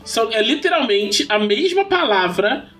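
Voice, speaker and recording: A high-voiced man talks casually on a podcast. He tells stories with animation and laughs easily. Faint music sits low in the background. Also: normal speed. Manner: animated storyteller, laughs often. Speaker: podcast host. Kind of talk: casual chat. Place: lives in São Paulo.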